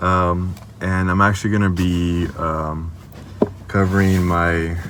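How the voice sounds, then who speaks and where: The speaker talks at a very slow pace over noticeable background noise. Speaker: student, car enthusiast. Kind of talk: casual talk to camera.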